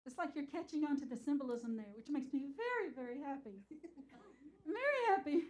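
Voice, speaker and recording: The clip has lo-fi sound: an older children's book author speaking to a library audience in a high, animated, slightly mellow voice. She is earnest and encouraging, delivering her words slowly and with emphasis.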